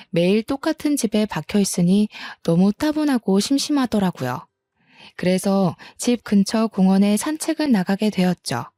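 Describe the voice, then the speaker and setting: A woman narrating a first-person story in a calm, measured way. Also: mid-range voice, no echo.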